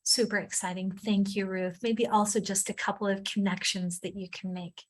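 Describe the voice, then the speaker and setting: A woman's voice: mid-range voice, flat delivery, normal speed. A woman facilitating an online meeting in a friendly, informal way with some fillers.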